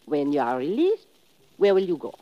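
An actress playing a poised, seductive foreign newspaper reporter, speaking formally and deliberately in a 1950s radio drama. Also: female voice, low voice, huge pitch swings, no echo. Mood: secretive, composed. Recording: muffled old radio recording.

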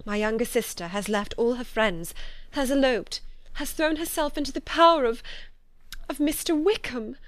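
A woman voicing an agitated, distraught young gentlewoman from a period novel, speaking in impassioned, anguished exclamations. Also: high voice, moderate pace, no echo, voice pushed up, close to an everyday voice. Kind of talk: dramatic audiobook character acting.

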